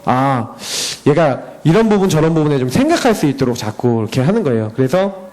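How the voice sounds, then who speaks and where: A man's voice: on the high side, a little fast, rough recording. A man in his thirties, a parent giving a slide presentation at a church education session, telling stories about his children and acting out their talk. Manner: animated storytelling, acting out dialogue with his children.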